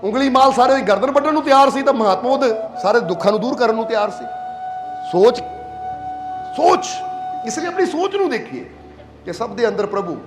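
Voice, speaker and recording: With an extremely high, expressive voice, a little fast and full of frequent pauses, this Punjabi man preaches over music in an echoey room. He tells stories in a plain conversational style, regularly checking that his congregation understands.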